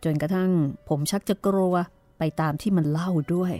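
A woman narrating a ghost story in a calm, measured storytelling manner. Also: on the low side, over music.

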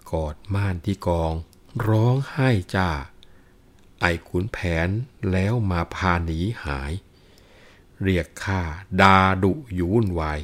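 A man with a low voice chants old narrative poetry at an unhurried, stretched-out pace. He lifts his voice into a ringing, melodic line for the verses and drops back to quiet plain speech to explain them. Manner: melodic drawn-out chanting, raised and ringing when reciting. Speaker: reciter and teacher of classical poetry.

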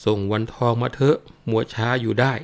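A man's voice: mid-range voice, fairly even intonation, a little fast, creaky, darkish tone, natural voice. A man voicing an impatient, whining suitor calling to his mother-in-law. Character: pleading bald suitor, whiny and impatient.

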